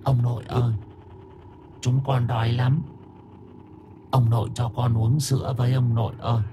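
A man's voice: mid-range voice, level tone, moderate pace, warm tone, slight background noise, natural voice. A man voicing a pair of small, hungry demon children who plead in a creepy sing-song.

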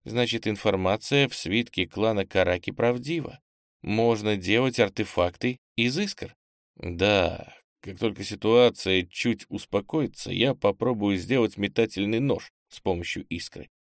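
A man reading a fantasy novel as an audiobook narrator, in an even, measured way. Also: lowish voice, no echo, clean studio sound.

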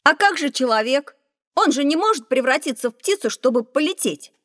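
A woman voicing a lively, curious schoolboy who asks eager questions in a children's audio drama. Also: high voice, a little fast, no echo. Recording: dry studio recording.

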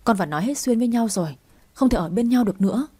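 Giọng nữ đọc người chồng ích kỷ nài nỉ qua điện thoại. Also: female voice, a little high, lively intonation, fast, warm tone, breathy edge. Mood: pleading. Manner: pleading, insistent. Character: adult son, selfish pleading husband abroad. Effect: phone call.

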